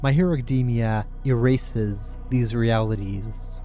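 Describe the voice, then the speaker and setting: A male video essayist and host narrates a scripted video essay in a relaxed, medium-pitched voice, unhurried, casual and sardonic. He's opinionated and sarcastic, with casual swearing, while faint background music plays under his voice.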